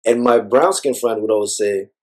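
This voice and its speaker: A man with a low, husky voice answers an interviewer. He reflects at length on personal experience and leans on frequent "you know"s and "like"s as he gathers his thoughts. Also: moderate pace. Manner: thoughtful, rambling with frequent fillers. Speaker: interview guest.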